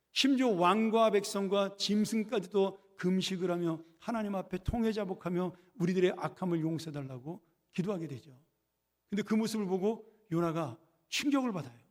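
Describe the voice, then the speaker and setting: A male pastor preaching a sermon in a church, telling a story with rhetorical questions. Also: high-pitched. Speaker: senior pastor. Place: church sanctuary. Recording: long church reverb.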